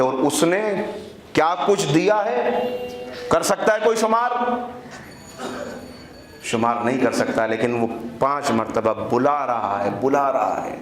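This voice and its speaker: A man preaching a sermon at a lectern mic in a prayer hall, firing off rhetorical questions and swinging between high, loud emphasis and a low hush. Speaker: religious speaker. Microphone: microphone on the lectern. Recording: roomy hall with faint ambience.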